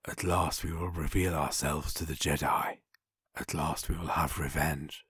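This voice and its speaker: A man acts a vengeful dark warlord with a low, husky voice. He is slow and ominous, a sinister space-film villain. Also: fairly even intonation, dry recording, studio quality, full character voice. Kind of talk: science fiction film villain.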